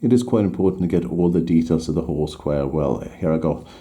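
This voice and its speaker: Speaking briskly in a very deep, mellow voice, a man whose first language is Swedish gives an English tutorial on miniature painting. He hesitates often, pausing to fix what he's said as he paints.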